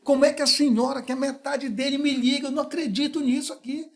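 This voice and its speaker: Um pastor brasileiro contando histórias num bate-papo descontraído, imitando as vozes das pessoas com animação. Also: male voice, extremely high pitch, fast, creaky. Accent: Brazilian. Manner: animated, acts out voices in anecdotes. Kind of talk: casual storytelling chat.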